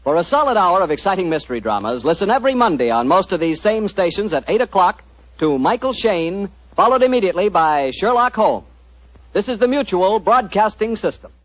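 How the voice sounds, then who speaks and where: A man's voice: high-pitched, very animated, fairly quick, dry recording. Polished old-time radio announcer, a man. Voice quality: smooth, salesman-like and polished. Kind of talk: 1940s radio announcing and sponsor ad. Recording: dull 1940s radio broadcast.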